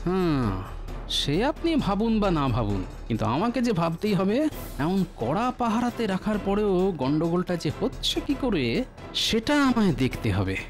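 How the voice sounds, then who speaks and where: A crafty old jester with a playful, musing way of talking. His pitch swings widely as he teases and schemes, with light music behind. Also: big pitch swings, moderate pace. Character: clever witty old male court jester. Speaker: court jester. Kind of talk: cartoon voice acting.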